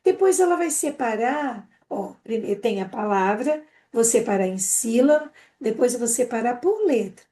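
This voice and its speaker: Brazilian woman, teacher trainer on a live stream, brisk and animated, slightly high. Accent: Brazilian Portuguese. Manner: quick, animated explaining with frequent "né?" tags.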